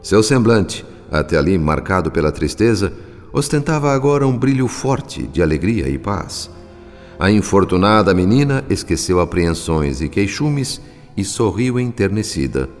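A reflective male spirit analyst narrating a radio drama in a very deep, measured voice. His delivery is solemn and literary, set in a long reverb with music underneath. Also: big pitch swings.

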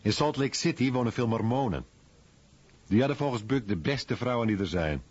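A veteran airman reminiscing in a radio play. His low, very husky voice moves in lively swings, on a dull recording. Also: normal speed. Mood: wry recollection. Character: male veteran airman recalling his old comrade. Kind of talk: radio play voice-over translation.

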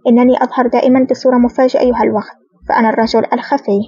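A cool male secret agent teases his rivals with dry irony, as a woman reads him. The delivery is fast and husky. The recording is dull and dry. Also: a little high, flat delivery, mellow, no echo. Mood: ironic. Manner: dry and ironic.

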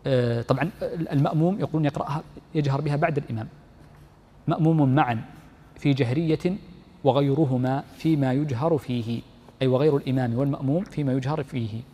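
A sheikh giving a fast-paced classroom lesson in a warm, slightly husky voice, reading lines from the book and then explaining them with frequent repetition. His voice carries a long reverb from a large lecture hall. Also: mid-range voice. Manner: explains step by step, repeats key phrases, reads the text aloud then comments. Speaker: sheikh teaching Islamic jurisprudence.

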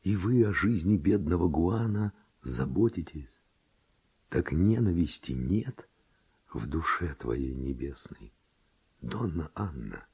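An actor playing a passionate, pleading seducer in a radio verse drama, with slow declamatory delivery. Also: male voice, very deep voice, animated, dark tone, husky, full character voice. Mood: seductive, pleading. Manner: slow, declamatory, rhetorical courting. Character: Don Juan, passionate male seducer, ardent and pleading. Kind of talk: classic Russian radio drama acting of verse.

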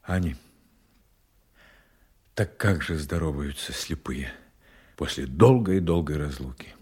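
An actor playing a guarded secret agent, tender but bitter, with an intense, deliberate delivery in a Russian audio play. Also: male voice, very deep voice, a little mellow, slightly rough, full character voice. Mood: wounded, passionate. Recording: music under the voice.

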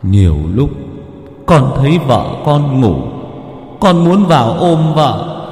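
A man voicing a grieving young ghost husband who pleads slowly and tearfully, with sing-song rises. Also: low-pitched, dark tone, pitched below the performer's own voice. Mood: tearful pleading. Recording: long hall reverb, faint music.

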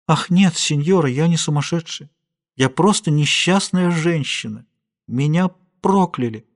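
A woman's voice: sits low, expressive, measured pace, pitched above the performer's own voice. A man reading a novel aloud, voicing a distraught young woman who pleads through tears. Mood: pleading. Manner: pleading, sobbing, tearful.

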